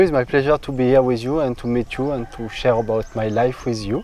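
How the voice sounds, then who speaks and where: Very fast speech comes from a man at a medium pitch with fairly even intonation. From France, Lyon. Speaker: tour company owner. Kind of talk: interview. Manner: halting.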